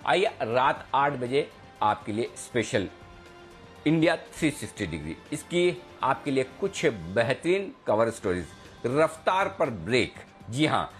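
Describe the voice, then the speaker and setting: Indian man, news anchor, brisk, punchy slogans, faint background music. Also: mid-range voice. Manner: brisk, announcing upcoming shows with punchy slogans. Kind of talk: live market news presenting.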